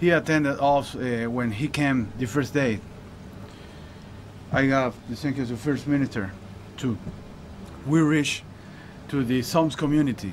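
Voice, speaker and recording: A man speaks at a medium pitch with a Venezuelan accent. His pitch varies in an ordinary way, and his pace is fairly slow. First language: Spanish. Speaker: foreign aid representative. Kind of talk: press briefing statement. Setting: press briefing. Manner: halting.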